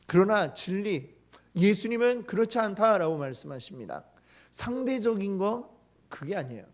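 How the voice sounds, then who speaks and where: A male pastor giving a teaching sermon in church, who often puts questions to the congregation and retells the story with lively quoted lines. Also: high voice. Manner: asks the congregation frequent questions.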